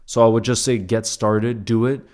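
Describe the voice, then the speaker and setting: A man's voice: medium pitch, steady tone, moderate pace, a little mellow. A man hosting a casual football livestream, reading out viewer comments and answering them informally, often repeating phrases for emphasis. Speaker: livestream host, football fan streamer.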